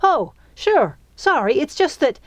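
A woman's voice: a little high, big pitch swings, unhurried, dry recording, pitched above the performer's own voice. A woman voicing an eager young girl who speaks in a gushing, over-enthusiastic manner in a story. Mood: excited.

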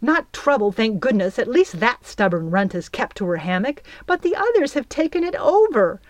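A woman's voice: sing-song, measured pace, no room sound. Woman voicing Belle, a huffy aging fairy. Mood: wailing. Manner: high, huffy and plaintive. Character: fretful aging female fairy, proud and bitter.

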